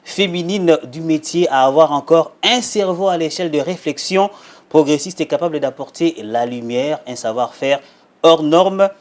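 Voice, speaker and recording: A man's voice: fairly high pitch, moderate pace. A man hosting a television magazine interview, giving emphatic, flowery introductions and asking questions. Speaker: talk show host.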